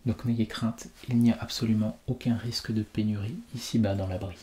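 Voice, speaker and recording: A man doing a soft-spoken ASMR roleplay as a courteous, reassuring shelter official, formal and soothing, at times close to a whisper. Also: on the low side, fairly even intonation, a little fast, slight background noise. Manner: polite, formal, soothing, often drifting into whisper. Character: courteous, reassuring male vault shelter official welcoming a resident. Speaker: ASMR performer playing a fallout-shelter host.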